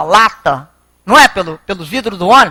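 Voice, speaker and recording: A woman talks at a moderate pace with lively intonation and an animated, bright, sharp tone. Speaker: spiritist lecturer. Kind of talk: lecture. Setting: spiritist center lecture hall. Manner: loud.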